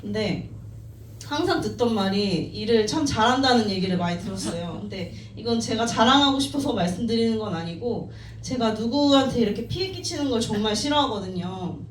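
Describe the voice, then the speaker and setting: A woman in her thirties, speaking fairly high and expressively at a fairly quick clip, shares her life story with colleagues during a company meeting. She is modest and self-deprecating and laughs lightly and often. It was captured in an echoey meeting room from a distant mic, with faint noise.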